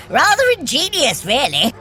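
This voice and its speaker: A woman's voice: high voice, bright, forceful tone, full character voice. A woman playing a scheming trickster god in an audio drama, grandiose and self-satisfied, talking straight to the listener. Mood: smug, grandiose.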